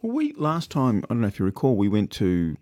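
A man's voice: lowish voice, wildly swooping pitch, fairly quick, dark tone. A man with an Australian accent chatting casually as a podcast co-host, in a laid-back, colloquial way. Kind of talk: casual chat.

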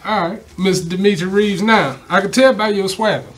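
A man with a moderately high voice hosts a talk show. He chats casually, in the manner of a relaxed interview. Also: a little fast.

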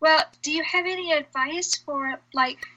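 High bright-voiced woman radio host. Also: unhurried, lo-fi sound. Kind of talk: interview hosting.

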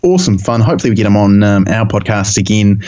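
Man, New Zealand accent, lowish voice, relaxed rambling chat, dull lo-fi recording. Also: fast talker. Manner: laid-back, rambling, many um fillers. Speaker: podcast co-host. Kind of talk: casual chat. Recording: dull lo-fi sound.

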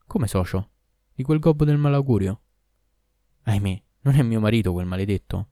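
A man's voice: fairly low pitch, moderate pace, mellow, no echo, clean studio sound, natural voice. A man reading aloud who gives the lines of a young man, explaining earnestly. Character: young man, surprised then reassuring.

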